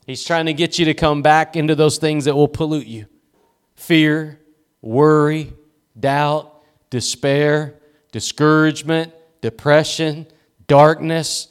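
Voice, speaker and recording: A man's voice: fairly high pitch, little pitch movement, slow pace, clean tone. A male pastor preaching a sermon in a church, with emphatic repeated cadences and rhetorical questions.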